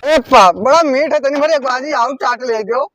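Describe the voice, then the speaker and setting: High-voiced loud village son. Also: male voice, moderate pace, a little hiss or hum. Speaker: young son of the old buyer. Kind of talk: rustic comedy sketch acting.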